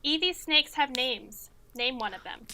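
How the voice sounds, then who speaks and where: Bright, high-voiced woman quizmaster. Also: a little slow. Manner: giggly, playful. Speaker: trivia quiz host. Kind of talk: casual quiz hosting among friends. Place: remote group call. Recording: faint background noise, online group call.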